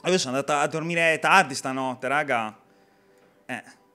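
A man's voice: fairly high pitch, unhurried, sharp tone, smooth, faint music behind. A young man hosting a live gameplay stream, chatting and reading viewer comments in a jokey way. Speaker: game streamer.

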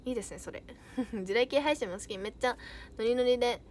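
A woman's voice: on the high side, fairly quick, darkish tone, a little hiss or hum. A young woman idol chatting casually on a livestream, reading out viewer comments with bubbly giggles.

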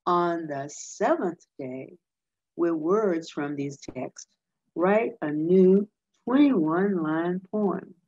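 An older woman, a poet, reads a written ritual aloud in a measured, deliberate way, recorded at home on a computer microphone. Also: fairly low pitch, lively intonation, darkish tone, husky. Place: indoors at home, a room with framed pictures. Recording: dull, muffled video-call audio.

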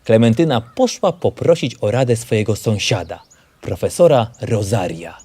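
A man's voice: lowish voice, animated, moderate pace, dark tone, slightly rough. A man narrating a scripted children's story as the narrator of an audio play.

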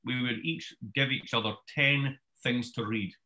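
A Scottish man in his fifties giving a wry, brisk book talk over a video call from his home study. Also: mid-range voice, rough recording. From Scotland. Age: 50s. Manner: brisk, wry storyteller with lively gestures. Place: home study with bookshelves, indoors. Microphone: webcam video call.

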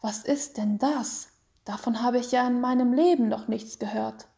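A woman voicing a small, frightened boy in a storybook reading, pleading in a high, crying voice. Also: normal speed, creaky, dark tone. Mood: puzzled.

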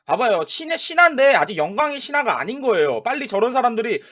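A young man giving casual, excitable commentary over his own mobile game, trash-talking and narrating his plays. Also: extremely high pitch, fast talker. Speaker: gaming YouTuber.

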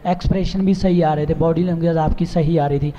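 Guy judging kids' acts, mellow voice, kind and instructive, muffled hall sound. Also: fairly high pitch, steady tone, fairly quick, slight background noise. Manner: encouraging, instructive. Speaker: dance and acting judge. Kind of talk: giving feedback to child performers.

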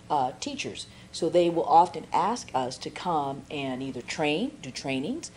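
A middle-aged woman talks in an interview with a mellow, fairly low voice. She is slightly halting, and faint music sits behind her. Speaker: community member.

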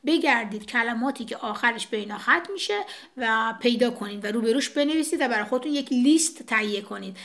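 Brief: woman French teacher, slightly high voice, walks through examples on a board. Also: creaky, fairly bright tone. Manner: explains step by step, pointing to a board. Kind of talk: casual classroom explanation.

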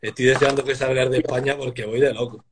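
A man in his twenties from Spain, chatting casually on a live video call from a small room, relaxed and laughing often. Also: mid-range voice, fast, noisy background. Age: 20s. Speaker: powerlifter guest. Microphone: webcam on a video call.

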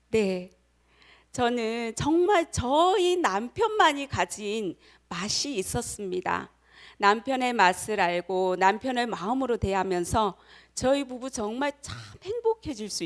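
A middle-aged woman giving a motivational lecture, telling a personal story and speaking directly to her audience. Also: mid-range voice. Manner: acts out quoted voices.

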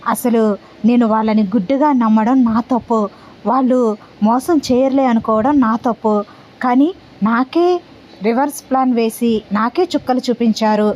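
A woman's voice: a little high, fairly even intonation, moderate pace, a little mellow, natural voice. A woman voicing a short-tempered husband who schemes revenge and snaps at his wife. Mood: brooding. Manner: brooding and irritable.

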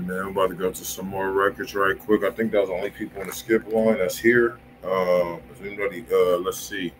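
Low-voiced American man, noisy stream mic. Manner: laid-back, profane, thinking aloud. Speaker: host of a live music review stream. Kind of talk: casual slangy livestream chat. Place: small room indoors. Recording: noisy home livestream microphone.

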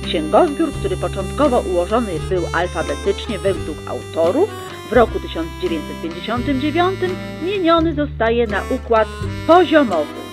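A woman reads the chronicle in the crisp, chirpy manner of an old 1960s newsreel announcer, her voice sitting high. Her delivery stays brisk and upbeat throughout. Plucked guitar music plays clearly behind her. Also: very animated. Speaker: chronicle narrator. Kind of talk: mock 1960s newsreel narration.

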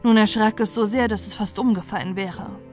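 A woman storyteller giving an expressive bedtime fairy-tale narration. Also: medium pitch, fairly quick, faint music behind.

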